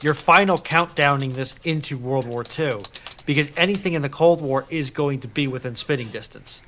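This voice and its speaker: A man's voice: on the high side, moderate pace, sharp tone, slight background noise. A man in a casual military history discussion, explaining things in an insistent way.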